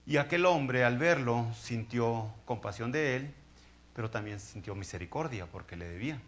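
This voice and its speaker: A man's voice: mid-range voice, animated, normal speed, fairly bright tone. A man preaching a sermon, telling the story in a conversational way and often checking in with his listeners.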